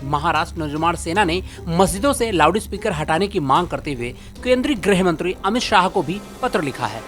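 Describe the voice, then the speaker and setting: News explainer presenter, Indian accent, medium pitch, reads from script over a music bed. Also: lively intonation, fairly quick, a bit bright. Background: background music.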